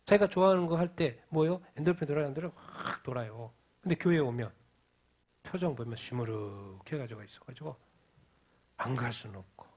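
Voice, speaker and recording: A man preaching a sermon as pastor, who asks the congregation questions and answers them himself, and acts out quoted lines in a loud heated voice. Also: mid-range voice.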